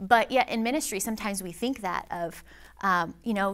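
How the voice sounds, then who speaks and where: A woman speaks at a fairly quick pace with a medium pitch and ordinary pitch variation on a very clean recording with a silent background. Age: 30s. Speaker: children's pastor. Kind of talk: conference workshop talk. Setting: conference room with small live audience and microphone. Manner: relaxed, conversational.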